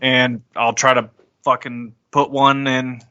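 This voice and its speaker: A man's voice: mid-range voice, little pitch movement, slow pace, pushed and bright, clean tone, no echo, highs cut off. A man chatting casually as a player in a tabletop game.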